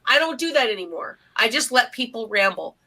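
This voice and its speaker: A woman co-hosting a casual conversational podcast. Her voice is fairly high and clearly bright, and she talks in a blunt, emphatic way. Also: animated, a little fast. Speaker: podcast co-host.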